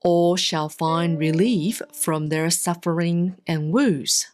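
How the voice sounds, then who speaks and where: A woman reads Buddhist scripture as a monastic, in a solemn, measured and deliberate scripted style with pauses between phrases. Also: on the low side, fairly even intonation. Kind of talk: solemn scripted sutra recitation, audiobook-like reading. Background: soft plucked guitar-like music.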